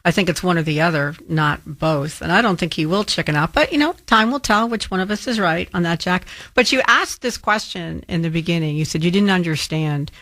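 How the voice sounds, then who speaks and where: A woman's voice: lowish voice, a little fast, few pauses, a bit bright, no echo. A woman filling in as a talk radio host, firmly rebutting a caller with frequent ums. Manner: firm and argumentative, with frequent ums.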